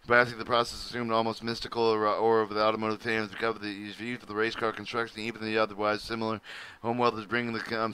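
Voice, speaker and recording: A man's voice: fairly low pitch, bright, forceful tone, clear, resonant tone. A man reading a welding manual aloud at his computer, stumbling over words and restarting often. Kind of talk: halting read-aloud of a manual. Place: at a computer, screen recording.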